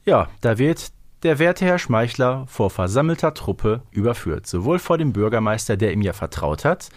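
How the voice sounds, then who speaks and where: A man's voice: medium pitch, big pitch swings, moderate pace. A man co-hosting a podcast, recapping a story in a playful, colloquial, conversational way. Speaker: podcast co-host.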